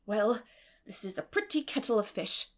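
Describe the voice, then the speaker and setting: A woman voicing a stern, practical older spinster in an audiobook, with a brisk, scolding, emphatic manner. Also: mid-range voice, sing-song, close to an everyday voice. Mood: wrathful.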